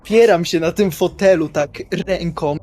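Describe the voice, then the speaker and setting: A man's voice: sits high, moderate pace, a little mellow. Man playing a tabletop game, conversational. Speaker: player. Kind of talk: casual describing of own character's actions.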